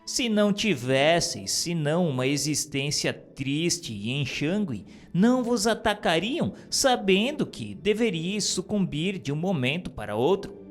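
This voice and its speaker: A man giving a solemn, earnest reading of a religious text, measured and exhorting. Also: a little high, sing-song. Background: faint music.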